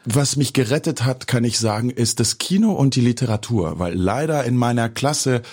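A man's voice: medium pitch, expressive, normal speed, darkish tone, slightly rough. A man, a filmmaker speaking reflectively with many hesitations in an interview. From Geneva, Switzerland. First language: French. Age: 40s. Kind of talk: personal interview.

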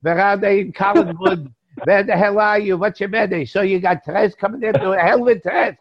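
A man's voice: high-pitched, fairly even intonation, rapid-fire, no echo, voice pushed up. A man putting on a Jewish accent to play a brash, pushy older man who rants and jokes. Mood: ranting. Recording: dull dry lo-fi.

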